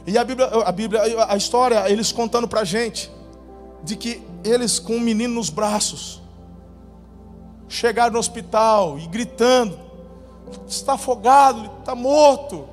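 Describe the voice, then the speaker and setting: A male pastor preaching a sermon, telling a testimony dramatically, his voice swinging between loud bursts and hushed moments. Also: sits high, normal speed. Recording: reverberant hall with faint music.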